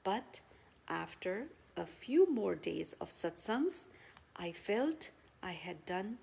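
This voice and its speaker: A woman reading a scripted devotional testimonial aloud, phrase by phrase, starting phrases firmly and letting the endings trail off softly. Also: lowish voice, big pitch swings, slow pace, creaky, husky.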